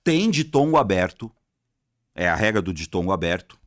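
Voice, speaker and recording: Here a Brazilian exam-prep teacher runs an online Portuguese grammar lesson, relaxed and colloquial, drilling important words and answering his own questions to the class. His voice is low-pitched with big pitch swings, at a moderate pace. The recording is dry and clean, studio-grade.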